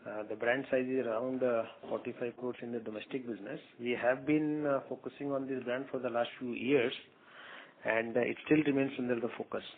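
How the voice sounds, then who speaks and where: Halting Indian executive on a tinny phone line. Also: male voice, mid-range voice, steady tone. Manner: halting, repeats words and phrases. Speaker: company executive answering analyst questions. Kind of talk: unscripted business conference call answers. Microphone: phone conference call.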